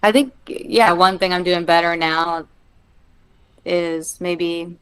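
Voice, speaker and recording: A woman in her thirties from Massachusetts, a guest on a podcast, who answers thoughtfully with hesitant pauses. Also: on the low side, steady tone, a bit bright, clear, resonant tone, low-quality recording. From Massachusetts, United States. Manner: thoughtful and hesitant, with many fillers. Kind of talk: casual interview chat.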